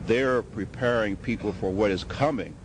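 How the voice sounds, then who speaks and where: A man is interviewed outdoors in a city. His voice is deep, and he explains things in a halting, deliberate way. Traffic noise is clearly audible around him. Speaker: interviewee, researcher. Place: outdoors, urban.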